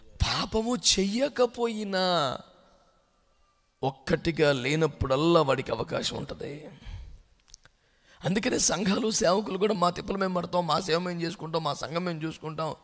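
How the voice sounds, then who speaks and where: A man preaching a sermon, animated, asking rhetorical questions and dropping English words into his talk. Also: fairly high pitch, moderate pace, pauses often. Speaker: pastor.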